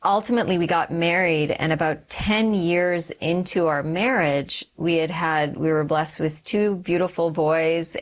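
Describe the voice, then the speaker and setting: A woman in her forties from Canada, an OB-GYN physician, telling her faith story in an interview in an earnest, reflective, measured way. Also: sits low.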